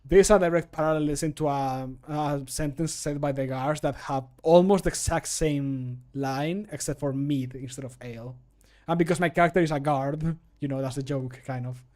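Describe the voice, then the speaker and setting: A man's voice: on the high side, steady tone, moderate pace, a little mellow. A man on a live stream at his home desk, talking casually and mocking himself as he records and judges his own voice takes on a desk microphone. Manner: self-mocking, chatty, talks through each retake. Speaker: streamer recording voice lines for a game mod. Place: home room at a computer desk.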